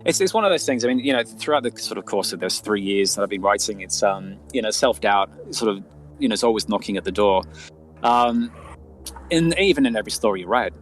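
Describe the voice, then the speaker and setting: A man's voice: lowish voice, expressive, a little fast, slight background noise, low-quality recording. A man speaking as a writer being interviewed, chatting casually in a hesitant, self-effacing way and often repeating his words. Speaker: interviewed guest, fiction writer.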